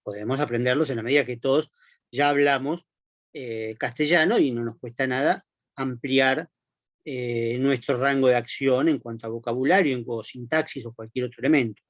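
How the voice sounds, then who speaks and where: A male teacher lectures at a mid-range pitch, working through ideas step by step and checking in with tag questions. He often restarts a phrase mid-thought. The sound is muffled and lo-fi, with a close, dry feel. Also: normal speed, dry recording. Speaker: university teacher.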